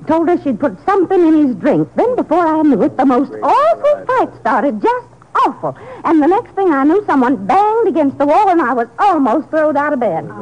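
An actress playing an excitable, talkative woman witness in a 1950s radio drama, eager and breathless as she tells her story. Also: high voice, normal speed. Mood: excited, dramatic. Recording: dull, lo-fi old radio recording.

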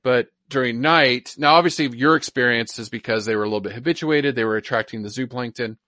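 Bright-voiced man co-hosting a casual podcast. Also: medium pitch, fast, dry recording. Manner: repeats himself, informal explaining. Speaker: podcast co-host. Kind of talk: casual science chat.

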